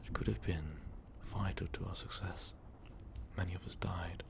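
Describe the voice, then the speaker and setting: A man playing an ancient, brooding vampire overlord in an intimate ASMR roleplay, speaking in a weary, halting, breathy whisper. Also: fairly even intonation. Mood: somber, reminiscing. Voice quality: breathy, gravelly low whisper. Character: ancient, brooding male vampire overlord, tormented former rebel.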